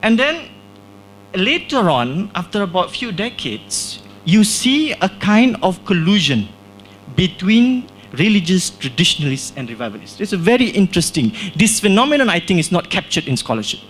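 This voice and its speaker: A man's voice: high-pitched, big pitch swings, normal speed, fairly bright tone, a little hiss or hum, poor audio. A man from Singapore presenting his book at a launch event, talking in a discursive way with frequent "right?" tag questions and restarts. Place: small hall.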